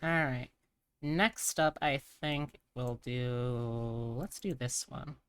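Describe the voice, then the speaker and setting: A woman's voice: very deep voice, fairly even intonation, takes it slowly, clear, resonant tone, no echo. A woman hosting a casual live stream, chatting and thinking aloud in a rambling way. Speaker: streamer host.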